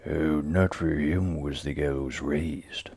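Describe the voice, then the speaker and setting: A man voicing a sly, coldly mocking hangman in a dramatic poem, with a slow, taunting, gravelly rasp. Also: very deep voice, fairly even intonation, a little mellow, voice pushed down, heavily acted. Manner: slow, drawn-out, taunting delivery. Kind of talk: dramatic poetry recitation.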